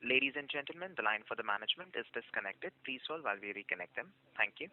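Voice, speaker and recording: A man's voice: mid-range voice, lively intonation, fast talker. A man with an Indian accent working as a conference call operator, making formal, polite scripted announcements in a call-centre manner. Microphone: telephone line. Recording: muffled distant phone conference line.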